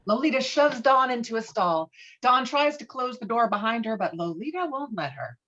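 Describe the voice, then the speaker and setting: A woman's voice: on the high side, animated, moderate pace, a bit bright. A woman reading scripted stage directions and scene headings for a table read over a video call. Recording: dull, lo-fi online call audio.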